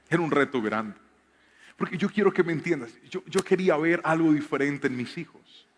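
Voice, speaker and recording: A man's voice: fairly high pitch, breathy edge. A man in his thirties preaching a sermon as a pastor, telling personal stories and acting out quotes in changing voices. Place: church hall with live piano. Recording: live hall reverb with piano. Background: soft piano.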